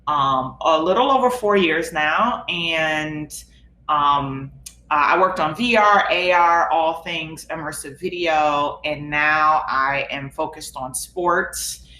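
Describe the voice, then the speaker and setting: A woman introducing herself on a conference panel in a casual, halting way with frequent fillers. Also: deep voice, sharp tone. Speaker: panelist, product lead. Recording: echoey room with faint noise.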